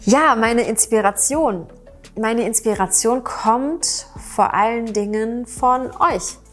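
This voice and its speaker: A woman from Romania, a German teacher hosting a Q&A vlog, speaking in an animated, friendly way straight to her viewers and a little quicker than usual. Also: a little high, faint music behind. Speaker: German teacher and channel host.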